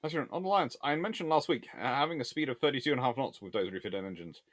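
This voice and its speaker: A man hosts an informal live stream, fielding questions as he goes. His mid-pitched voice wanders discursively through explanations, thinking aloud like a lecturer. The sound is dry, with very little room in it. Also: expressive, fast, no echo. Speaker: host, history lecturer. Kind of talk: live stream chat, answering viewer questions.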